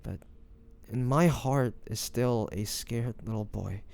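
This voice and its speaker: Man acting a slow, gravelly, lovestruck young man. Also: mid-range voice, darkish tone. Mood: earnest, confessional. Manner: hesitant, stammering, breathy sighs. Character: devoted young man, tender, nervous, lovestruck best friend. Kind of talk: intimate romantic audio roleplay.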